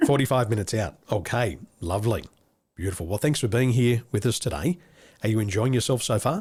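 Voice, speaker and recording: A man with an Australian accent talks at a fairly quick pace in a somewhat breathy voice at a medium pitch, with lively intonation and very even loudness. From Australia, northwest Sydney. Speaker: business coach. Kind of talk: online masterclass hot seat coaching. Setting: video call webinar. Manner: upbeat.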